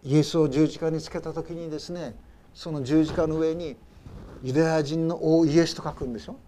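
A male pastor preaching a Sunday sermon in a storytelling way, acting out the cries of the people he tells about and dropping to soft low asides at the ends of phrases. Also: fairly even intonation, fairly quick, slight background noise.

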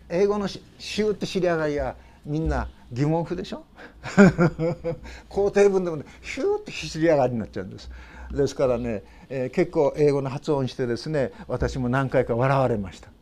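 Older pastor with a Tochigi lilt. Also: male voice, on the high side, normal speed, darkish tone. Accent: Tochigi Japanese. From Tochigi, Japan. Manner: earnest, emphatic, with rising sentence ends and tag questions. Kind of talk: sermon.

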